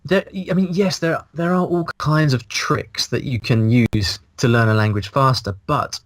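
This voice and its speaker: A man in his thirties talks over a video call in a lively, thinking-aloud way, often restarting his phrases. His voice sits at a middle pitch. The sound is dry and close to the mic. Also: moderate pace, dry recording. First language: English. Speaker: guest, language blogger. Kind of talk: casual interview. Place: small room indoors. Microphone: video call, earphones, mic in front.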